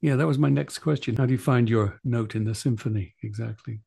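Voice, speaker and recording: A man interviewing a puppeteer, asking thoughtful questions in a measured, reflective manner. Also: medium pitch, creaky, dark tone, breathy edge.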